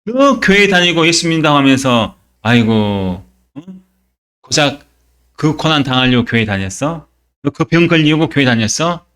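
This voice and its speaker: A man's voice: on the high side, warm tone, close to an everyday voice. A male pastor voicing a scornful unbelieving neighbor who taunts a churchgoer, inside a sermon. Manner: sneering, taunting.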